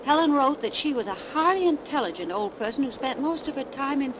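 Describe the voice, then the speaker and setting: An actress playing an eager, level-headed young nurse in a 1930s radio drama, animated and proper, on a noisy old broadcast. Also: female voice, sits high, brisk. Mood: eager, curious.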